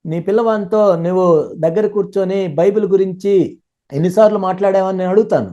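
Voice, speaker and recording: A man interpreting a sermon live, speaking fluently and running his sentences together quickly. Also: sits high, fairly even intonation, dark tone, muffled recording.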